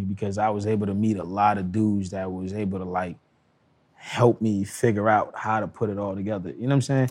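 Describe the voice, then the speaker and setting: The tone is dark and mellow. Delivery moves at a fairly quick pace. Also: man. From Trinidad, then Brooklyn. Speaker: basketball player development coach. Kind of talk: casual chat.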